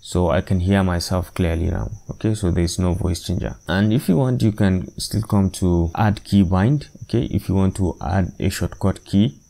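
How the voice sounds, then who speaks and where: Low-voiced man with a creaky edge. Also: normal speed, few pauses, dark tone. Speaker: tutorial presenter. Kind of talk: unscripted software tutorial narration.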